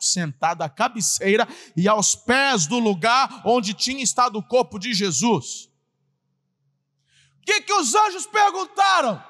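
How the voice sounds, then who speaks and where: A Brazilian man preaching a sermon as pastor, animated, acting out voices and breaking into sudden shouts. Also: high-pitched, big-room sound. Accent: Brazilian Portuguese.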